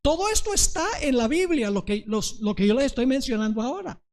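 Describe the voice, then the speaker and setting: A man's voice: extremely high pitch, very animated, fairly quick, a little mellow. Man preaching with dramatic retelling. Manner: preaching, often asking the congregation if they understand. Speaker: pastor. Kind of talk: sermon.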